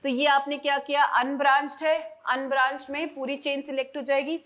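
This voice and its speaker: A woman's voice: sits high, little pitch movement, brisk, a bit bright. A woman teaching chemistry in an online lesson, repeating each step and asking and answering her own questions.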